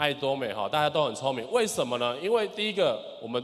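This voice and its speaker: Using very wide pitch swings, a man talks at a fairly quick pace in a fairly high pitch. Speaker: network marketing speaker. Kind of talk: sales pitch. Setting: stage with audience.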